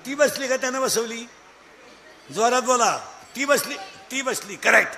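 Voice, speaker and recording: A man giving a comic devotional kirtan sermon, scolding and bantering with the crowd and shouting at the peaks. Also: very high-pitched, normal speed, creaky. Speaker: kirtan preacher. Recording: echoey hall with faint background noise.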